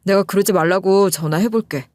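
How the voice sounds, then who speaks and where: A woman's voice: medium pitch, a little fast, a little mellow, no echo, clean studio sound, natural voice. Woman voicing an exasperated young husband. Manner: indignant, blunt.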